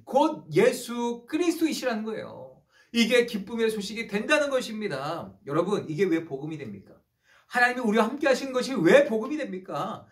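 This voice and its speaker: A man's voice: extremely high pitch, fairly bright tone. A man in his thirties, a pastor preaching an online youth sermon with rising emphasis on key phrases.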